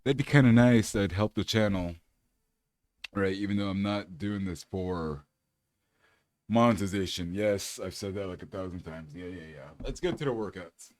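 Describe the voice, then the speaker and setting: Deep-voiced, rambling laid-back man. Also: moderate pace, a little mellow. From California. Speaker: fitness vlogger. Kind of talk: casual chat to camera.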